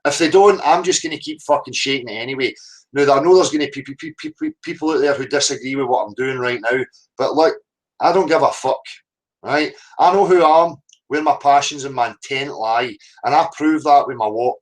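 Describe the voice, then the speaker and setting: A man's voice: mid-range voice, expressive, fairly quick, rough recording. A man with a Scottish accent delivering an impassioned, confrontational unscripted rant as a livestream host, blunt, insistent and heavily sweary. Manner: confrontational, insistent, tagging points with "right?".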